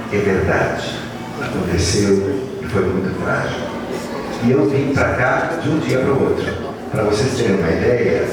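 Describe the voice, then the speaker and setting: A man, telling his life story to students at a school event in an unhurried, reflective way. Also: lowish voice. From Argentina. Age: 60s. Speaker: guest speaker. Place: large school hall. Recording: echoey hall from far off, with noise.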